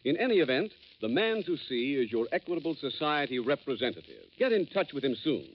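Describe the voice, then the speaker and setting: A man's voice: mid-range voice, fairly quick, slight background noise. Man announcing on an old broadcast disc. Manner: emphatic, lively announcer delivery. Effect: old broadcast disc recording. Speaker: radio announcer. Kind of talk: 1940s radio announcing. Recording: dull old broadcast transcription. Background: music.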